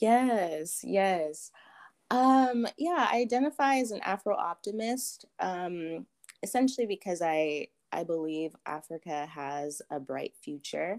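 In a very clean recording with a silent background and a dry, close sound with no echo, a woman speaks very slowly at a medium pitch with very wide pitch swings. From Zambia. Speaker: podcast host and fellow. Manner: hesitant, many fillers.

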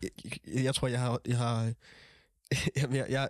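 On a very clean recording with a silent background and a dry, close sound with no echo, a man at medium pitch speaks at a moderate pace in an ordinary speaking voice. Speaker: podcast co-host. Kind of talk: casual chat.

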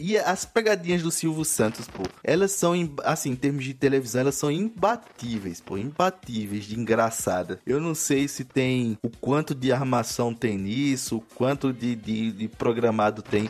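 This man has a plain, everyday voice at a medium pitch with lively intonation. He talks at a fairly slow pace with hardly any pauses. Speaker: podcast co-host. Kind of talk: casual chat.

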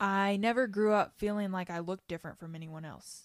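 A woman talks at a fairly quick pace in a plain, everyday voice, medium in pitch and fairly even in intonation. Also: very clean recording, silent background. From US Kentucky. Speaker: podcast host. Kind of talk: casual interview chat. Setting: home office studio.

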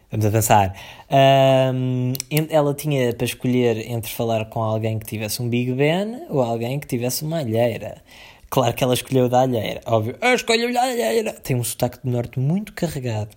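On a very clean recording with a silent background, a man speaks at medium pitch. His pace is moderate and his pitch variation ordinary. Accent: European Portuguese. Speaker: podcaster reviewing reality TV. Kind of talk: casual commentary monologue. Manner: hesitant, many filler sounds.

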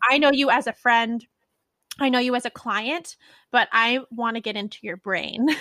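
In a very clean recording with a silent background and a dry, close sound with no echo, a woman speaks at a high pitch and moderate pace, her tone bright and sharp and her pitch variation ordinary. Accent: Californian. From US, San Francisco Bay Area. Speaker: podcast host and entrepreneur. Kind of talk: casual interview chat. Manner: animated.

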